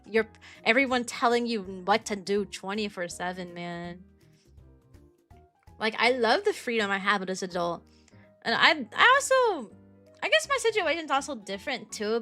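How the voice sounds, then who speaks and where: Chatty young woman with a high, bright voice. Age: mid-twenties. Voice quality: high-pitched, youthful-sounding voice. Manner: rambling and chatty, with many ums, likes and restarts. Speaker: VTuber streamer and kindergarten teacher. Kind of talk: casual chat with stream viewers.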